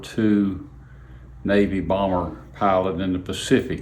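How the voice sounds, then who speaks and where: A man's fairly low voice in a Tennessee accent, with ordinary pitch variation and audible room echo. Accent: US Southern (Tennessee). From Tennessee, Murfreesboro area. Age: 70s. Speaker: retired naval officer. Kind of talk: interview testimony. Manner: halting, many fillers.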